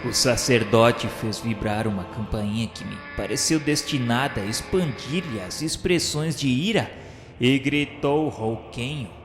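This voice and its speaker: A man's voice: medium pitch, a little slow, lightly acted. A man narrating a radio drama in formal, literary scripted prose. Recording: echoing hall reverb, faint music. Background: faint music.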